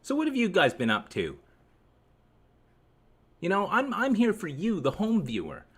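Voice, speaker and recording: A man's voice: sits high, huge pitch swings, a little slow, husky. A man hosting a live stream, chatting to viewers in a rambling, sarcastic and profane way. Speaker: livestream host.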